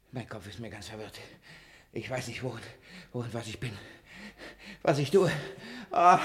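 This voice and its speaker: A shrill, frantic old miser. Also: male voice, noisy background. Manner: blustering, stammering, cries out in despair. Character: miserly old father, greedy, frantic and suspicious. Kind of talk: classic stage radio play acting.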